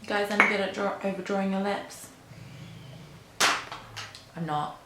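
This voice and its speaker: A woman's voice: medium pitch, fairly even intonation, normal speed, roomy sound, heavy background noise. A woman in her twenties, rambling casually to camera while doing her makeup at a mirror, full of "like" and "um" and self-deprecating asides. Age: 20s. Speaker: beauty vlogger. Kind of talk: chatty get-ready-with-me rambling. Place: indoor room at a mirror.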